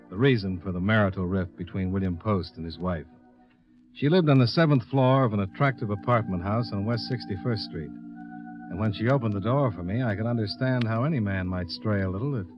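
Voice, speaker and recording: An actor playing a wry American insurance investigator in an old radio detective serial, with dry, clipped questioning and narration. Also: male voice, lowish voice, lightly acted. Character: wry, probing male insurance investigator narrating his case. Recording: dull, lo-fi old radio recording.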